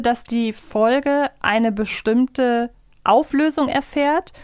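A woman's voice: a little high, a little mellow, clear, resonant tone, no room sound, clean studio sound. A woman co-hosting a podcast, talking casually and reflectively in long, winding clauses. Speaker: podcast co-host. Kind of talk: casual discussion of an audio drama.

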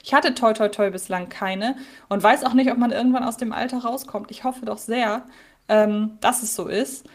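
A woman's voice: a little high, steady tone, normal speed. Chatty woman podcast co-host. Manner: chatty, many fillers. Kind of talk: casual chat, recapping a radio-play episode.

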